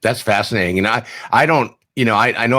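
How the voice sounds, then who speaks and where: A man with an unremarkable speaking voice, fairly quick, with ordinary pitch variation and a very clean recording with a silent background. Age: 60s. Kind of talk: casual chat.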